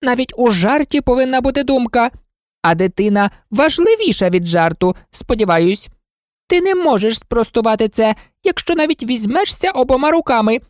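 A woman voicing the Red Queen, an imperious and impatient queen who scolds and commands, in a storybook reading with a high, loud voice. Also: big pitch swings, normal speed, no echo, clean studio sound. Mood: lecturing. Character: bossy, imperious older queen.

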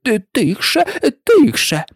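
A woman voicing a timid, anxious male white rabbit who talks in a nervous, hushed way in an audiobook. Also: mid-range voice, huge pitch swings, normal speed, vocal fry, dry recording, clean studio sound, pitched above the performer's own voice, exaggerated voice. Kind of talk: audiobook character voice.

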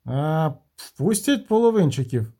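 Affable halfling man, played by a man, raised pitch, lively. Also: a little slow, exaggerated voice. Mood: jovial. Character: jovial talkative halfling man.

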